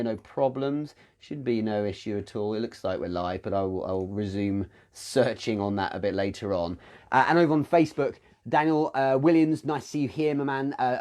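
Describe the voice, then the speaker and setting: A man's voice: medium pitch, darkish tone. A British man hosting a live question-and-answer stream, thinking aloud with frequent restarts and self-corrections. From United Kingdom. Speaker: host answering business questions.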